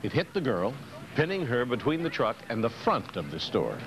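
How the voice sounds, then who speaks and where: A man's voice: medium pitch, very animated, normal speed. A man with an American accent reading scripted television news narration on an old taped newscast. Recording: noisy archival 1990s TV newscast tape.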